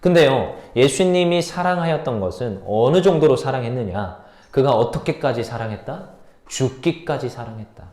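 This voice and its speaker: A man's voice: mid-range voice, animated, moderate pace, a little mellow, echoey room. A man, a junior pastor, preaching a sermon in a conversational way and often asking his listeners questions.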